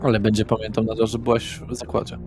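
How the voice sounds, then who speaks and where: A man's voice: fairly low pitch, monotone, quick pace, over music. A man acting as game master, narrating and refereeing a tabletop role-playing game.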